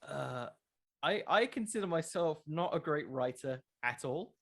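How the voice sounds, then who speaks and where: A man's voice: a little high, lively intonation, unhurried, gravelly, a bit bright. A man speaking as a podcast creator in a casual interview, conversational and emphatic, with a self-deprecating way of talking.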